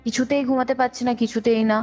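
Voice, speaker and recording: A young woman speaks in a fairly high voice on a dull, lo-fi call recording. She recounts a personal ghost story in a conversational way, detailed and repetitive, with music playing underneath. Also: flat delivery, fast, a little mellow. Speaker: guest, caller. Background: background music.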